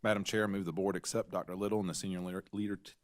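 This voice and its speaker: A man serving as a school board member, reading formal motions in measured phrasing. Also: low-pitched, flat delivery, no echo. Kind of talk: formal motions at a public meeting.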